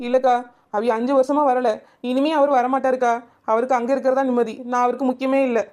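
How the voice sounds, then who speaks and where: A woman's voice: high voice, level tone, close to an everyday voice. A woman playing a young village wife who banters sharply with her neighbours and feels let down by her husband. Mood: hurt. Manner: quick, sharp-tongued teasing, then wounded. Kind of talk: village family drama acting.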